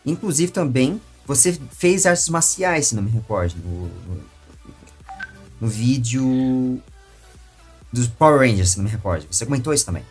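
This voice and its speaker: A Brazilian man with a husky voice works as an interviewer, offering long casual comments. His phrasing halts, then bursts into emphasis. There is faint music behind him. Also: medium pitch, sing-song, moderate pace.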